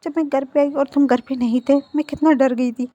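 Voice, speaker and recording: A woman's voice: high voice, fairly even intonation, normal speed, warm tone, highs cut off, close to an everyday voice. A woman voicing a worried, affectionate mother. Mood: fretful. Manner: fretful, affectionate.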